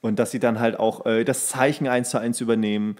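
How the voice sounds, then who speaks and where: A man with a medium-pitched voice chats casually as a podcast co-host. He rambles through his retellings and readily slips into acted-out quotes. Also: fairly even intonation, a little fast, darkish tone. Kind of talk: casual chat about films.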